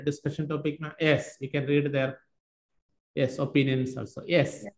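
A man's voice: a little high, little pitch movement, moderate pace, darkish tone, echoey room. A man, teaching a live online spoken class and cheering his students on with repeated questions like "am I right?".

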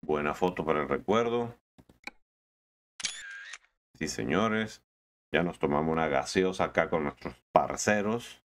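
A man's voice: a bass voice, expressive, a little slow, pauses often, a little hiss or hum. A man, chatting casually while playing a truck game, often stumbling and repeating words. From Colombia. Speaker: gaming video host.

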